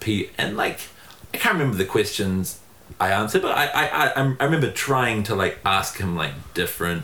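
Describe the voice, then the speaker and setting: A voice with a New Zealand accent moves at a fairly quick pace. Its tone is bright and sharp, and the intonation is lively. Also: man, fairly low pitch for a man. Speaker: freelance writer. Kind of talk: casual chat.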